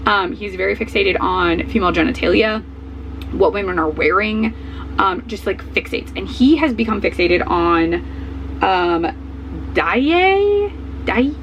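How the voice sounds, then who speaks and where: A young woman book vlogger chatting casually at home, a little hoarse as her voice comes back, rambling with lots of fillers. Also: medium pitch, expressive, unhurried, muffled recording. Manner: rambling, filler-heavy, self-correcting. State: slightly hoarse, voice coming back. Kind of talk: casual chat. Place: at home, traffic noise outside. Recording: faint outdoor truck noise.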